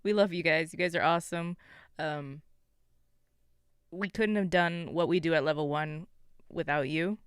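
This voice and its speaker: A woman's voice: low-pitched, steady tone, normal speed, pauses often, clear, resonant tone, no echo, clean studio sound. A woman from Canada co-hosting a gaming podcast in casual, chatty talk. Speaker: podcast co-host.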